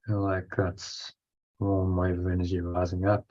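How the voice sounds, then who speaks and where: A man leading a guided breathing meditation as a teacher, giving instructions in short phrases with pauses and reading out affirmations. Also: deep voice, completely flat delivery, darkish tone. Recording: dull, lo-fi sound.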